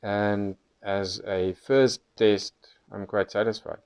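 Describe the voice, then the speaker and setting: A man giving a casual first-impressions review as a hobbyist, explaining things in a measured way. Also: on the low side, little pitch movement, a little mellow, smooth. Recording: dull lo-fi sound.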